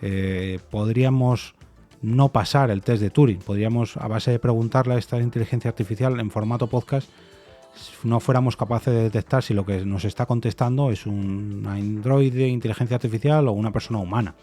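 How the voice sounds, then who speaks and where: A man's voice: lowish voice, fairly even intonation, a little fast, mellow, soft background music. A podcast host talking through his opinion alone, thoughtful and hesitant, often restarting and trailing off into repeated no's. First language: Spanish. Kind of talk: reflective solo opinion monologue.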